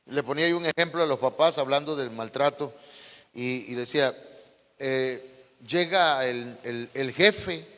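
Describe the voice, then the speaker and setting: Bright-voiced preacher in an echoing hall. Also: male voice, mid-range voice, unhurried. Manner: storytelling with rhetorical questions to the congregation. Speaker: pastor. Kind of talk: sermon.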